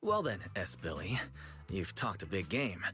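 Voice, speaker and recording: An actor voicing a calm, dry man in video game voice acting. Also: deep voice, unhurried, soft background music, exaggerated voice.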